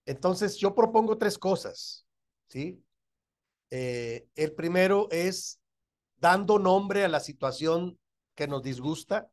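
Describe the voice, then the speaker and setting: Speaking slowly and expressively in a high-sitting voice with a darkish tone, a middle-aged Mexican-accented pastor leads a church class. He keeps checking whether his listeners agree, chuckling along the way.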